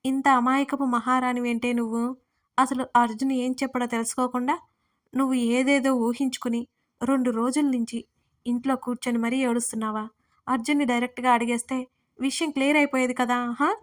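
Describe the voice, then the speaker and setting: A woman's voice: a little high, little pitch movement, a little fast, lightly acted. A woman voicing a bossy young woman in an audio story who scolds her friend in an exasperated way.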